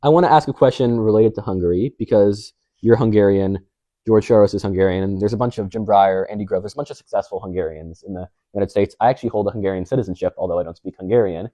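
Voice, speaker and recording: A man interviewer who talks quickly and builds long, wordy questions with plenty of setup. His voice is somewhat low and mellow, and the recording is dry and a little muffled. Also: no room sound.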